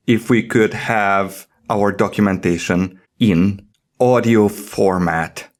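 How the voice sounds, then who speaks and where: A man hosting a podcast in a theatrical, dramatic reading style, with deliberate, playful pauses. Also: on the low side. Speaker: podcast host.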